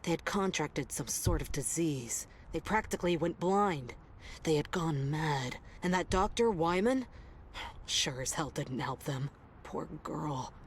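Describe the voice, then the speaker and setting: A low-voiced whispering gossip. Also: female voice, animated, measured pace, a little hiss or hum. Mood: gossipy. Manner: conspiratorial, drops to a whisper. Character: gossiping woman sharing dark secrets, hushed. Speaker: game character. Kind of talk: video game voice acting.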